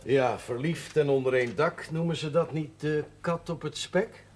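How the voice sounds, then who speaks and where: An actor playing a friendly, sporty Catholic priest who reasons informally and wryly, in a naturalistic 1970s television drama. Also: male voice, on the high side, moderate pace, a little hiss or hum, lightly acted. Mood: reasonable. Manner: informal, reasoning, gently wry. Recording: audio of 1970s television broadcast, music.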